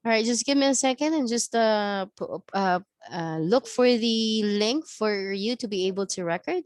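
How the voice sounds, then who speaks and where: A woman language trainer giving an online lesson, reading aloud and instructing in a careful, deliberate manner. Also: on the high side, no room sound, studio quality. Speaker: call center language trainer.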